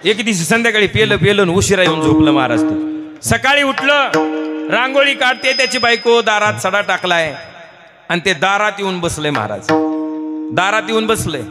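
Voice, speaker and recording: A man's voice: high voice, expressive, normal speed, loud music behind the voice. A man preaching a devotional kirtan sermon, telling comic stories in an earnest tone and addressing the audience as elders. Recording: echoey hall with live instruments.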